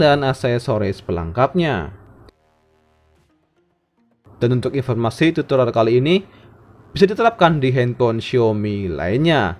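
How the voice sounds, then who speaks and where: A man's voice: medium pitch, darkish tone. A man hosting a tech tutorial in methodical, scripted narration. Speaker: tech channel host. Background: background music.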